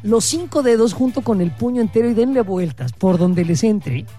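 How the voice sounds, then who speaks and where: A man's voice: high voice, expressive, normal speed, mellow, soft background music. A Mexican man co-hosting a talk show, giving blunt, profane opinions. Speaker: co-host. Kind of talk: casual opinion commentary.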